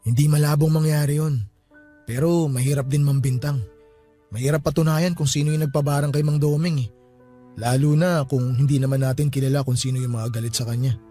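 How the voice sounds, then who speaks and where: In a radio drama, an actor plays a jumpy young friend at a wake who sees spirits, speaking in a casual, superstitious way with a somber mood. His voice is fairly high in pitch yet dark in tone, slightly rough, steady, and fairly quick, with faint music beneath it.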